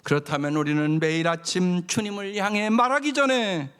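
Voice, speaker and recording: A man preaching a sermon as pastor, with emphatic exhortations that drop at times to hushed, whispered lines. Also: fairly high pitch.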